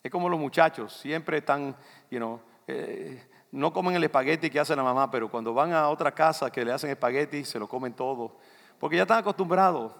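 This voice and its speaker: In a church sanctuary with the long reverb of a church hall, an older pastor from the Dominican Republic delivers a loose, conversational sermon that keeps addressing the congregation. He speaks with a Dominican Spanish accent in a slightly high, somewhat bright voice, talking a little fast.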